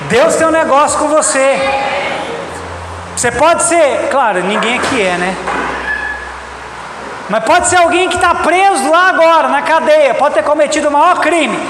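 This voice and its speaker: A Brazilian man preaching a sermon, speaking emphatically and repeating his points as he addresses the congregation directly. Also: very high-pitched. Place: reverberant church hall. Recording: echoey hall, loud background noise.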